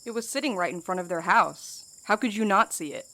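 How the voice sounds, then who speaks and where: A woman's voice: medium pitch, lively intonation, a little fast, fairly bright tone. A woman playing a practical, caring friend in an audio drama, speaking naturally in a direct, matter-of-fact way. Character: practical, blunt, caring female rescuer and friend.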